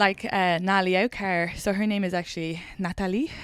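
The recording is very clean, with a silent background. A woman speaks in an Irish accent. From Ireland, Kildare. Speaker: comedian and podcast host. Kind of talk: casual chat. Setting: at home with cat.

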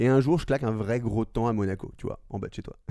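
A man talks at a fairly quick pace in a fairly low pitch with a dark, mellow tone. His pitch varies in an ordinary way. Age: 30s. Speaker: influencer and amateur racing driver. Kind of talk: casual chat.

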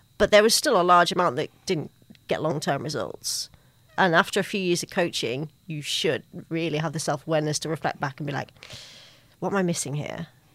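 Here a woman speaks fairly quickly with lively intonation. Her pitch is fairly low. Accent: English. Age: 30s. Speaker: head of nutrition at a fitness company. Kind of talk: interview.

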